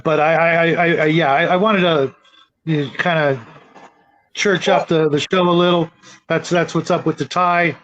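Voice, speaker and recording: Higher-voiced middle-aged man, lo-fi stream audio. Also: fairly even intonation, moderate pace, a bit bright. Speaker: show host. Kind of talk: casual live-stream chat. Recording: dull, lo-fi audio.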